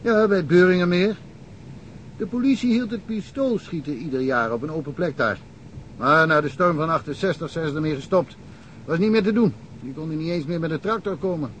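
An actor playing a talkative middle-aged provincial police detective in a radio drama, telling wry stories and chuckling often. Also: male voice, on the high side, expressive, fairly quick, slight background noise, natural voice, low-quality recording. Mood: amused, chatty.

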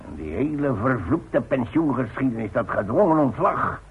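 An actor playing a proud, stubborn retired workman and father in a radio play, speaking haltingly on an old recording. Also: mid-range voice, expressive, narrow, tinny audio, slight background noise, natural voice. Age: older. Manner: hesitant, halting, repeats words. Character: proud, stubborn retired chimney climber, gruff but tender father. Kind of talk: naturalistic Dutch radio play acting.

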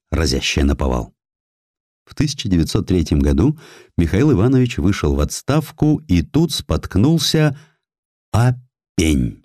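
A man reading literary historical prose as an expressive audiobook narrator, in a measured storytelling way. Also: low-pitched, no echo, studio quality. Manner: measured, storytelling delivery, acts out quoted dialogue.

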